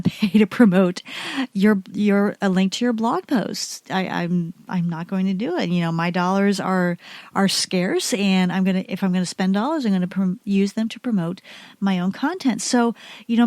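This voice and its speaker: A woman's voice: mid-range voice, darkish tone, no echo, studio quality. A woman hosting a solo marketing podcast, talking in a chatty, candid way with frequent restarts and asides. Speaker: podcast host.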